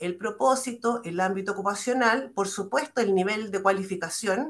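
Speaking in a Chilean accent, a woman uses lively intonation at a moderate pace. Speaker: public agency official in vocational certification. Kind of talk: webinar presentation; answering audience questions. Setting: video call. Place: office. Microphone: video call.

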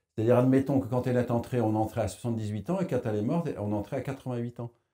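This man's voice sits at a medium pitch with a dark, mellow tone. His pitch varies in an ordinary way over a quiet background. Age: 60s. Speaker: priest and newsletter editor; priest, newsletter editor. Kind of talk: panel discussion. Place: studio. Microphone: lapel.

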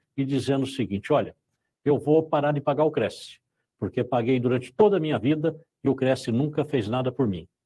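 With a dark, mellow tone, a man speaks using ordinary pitch variation. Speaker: council president. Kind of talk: formal speech. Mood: firm, explanatory. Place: studio. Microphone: lapel.

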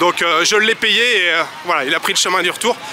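A man's raised, projected voice at a fairly slow pace, dry with no echo, over noticeable background noise. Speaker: travel vlogger. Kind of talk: travel vlog narration. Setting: outdoors. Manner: animated. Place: market. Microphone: phone near.

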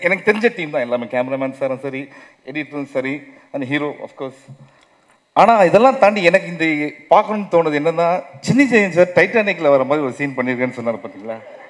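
With a quiet background, a man speaks in a fairly high pitch with lively intonation. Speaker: actor. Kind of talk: event stage speech. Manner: humorous, joking. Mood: jovial, joking. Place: hall.

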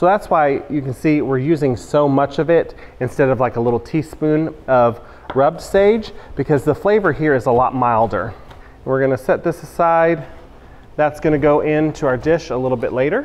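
With an American accent, a man talks at a moderate pace using ordinary pitch variation. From US Midwest. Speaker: cooking video host. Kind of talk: cooking tutorial. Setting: studio kitchen. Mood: relaxed, friendly. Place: kitchen. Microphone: lapel.

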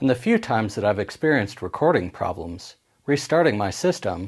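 Over a very clean recording with a silent background, a man speaks in a plain, everyday voice with lively intonation. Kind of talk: scripted tutorial narration, with a brooding noir-style voiceover sample. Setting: screen-recorded tutorial. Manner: clear, even and instructional in the rest of the tutorial.

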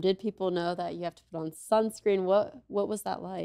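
Behind the speaker the background stays quiet. A woman talks with fairly even intonation. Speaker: podcast host. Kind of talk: interview. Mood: curious, friendly. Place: studio. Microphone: studio mic.

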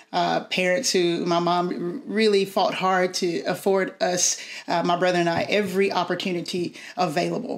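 A woman with a Southern US accent speaks at a moderate pace with fairly even intonation and very even loudness, against a quiet background. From US South. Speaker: band director. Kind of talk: panel discussion. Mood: warm, reflective. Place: home room. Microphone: webcam.

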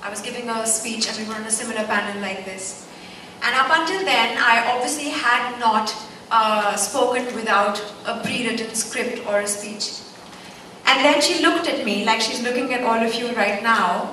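A woman's voice shows ordinary pitch variation and big swings in loudness, with audible room echo and light background noise. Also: moderate pace. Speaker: event host or moderator. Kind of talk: introduction speech. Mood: warm, grateful. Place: hall.

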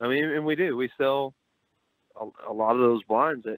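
This man talks at a fairly quick pace in a plain, everyday voice with ordinary pitch variation. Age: 30s. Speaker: blind manufacturer, business owner. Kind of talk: casual interview.

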